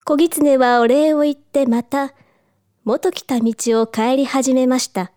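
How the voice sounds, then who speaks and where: A woman narrating a children's storybook in a soft, careful way. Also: sits high, measured pace, no room sound, studio quality. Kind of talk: storybook reading.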